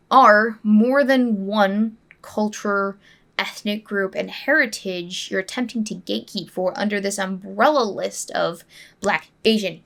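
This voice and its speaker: A woman's voice: mid-range voice, gravelly. Wry woman commentary host. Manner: measured, wry, sarcastic asides. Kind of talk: scripted commentary.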